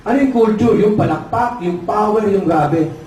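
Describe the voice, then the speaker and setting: A man giving an energetic motivational seminar talk with jokes, leading his audience in chants. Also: sits high, normal speed. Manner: energetic, leads call-and-response chants. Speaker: seminar speaker. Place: large hall with live audience. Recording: echoey hall, far mic, crowd noise.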